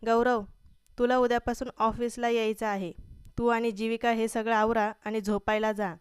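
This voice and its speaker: A woman reading as a stern young husband, curt and commanding, clear bright tone, dry sound. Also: on the high side, flat delivery, moderate pace, no room sound, natural voice.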